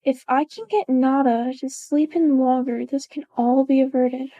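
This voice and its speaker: A determined young time traveller played by a woman, quietly scheming. Her voice is very high and soft-toned, recorded close and dry for an audio drama. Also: fairly even intonation, a little slow, dry recording.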